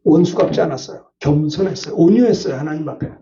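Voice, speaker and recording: A man's voice: a little high, fast, dark tone, recorded from a distance, muffled recording. An older male pastor preaching a Sunday sermon, emphatic, often turning to the congregation with short questions.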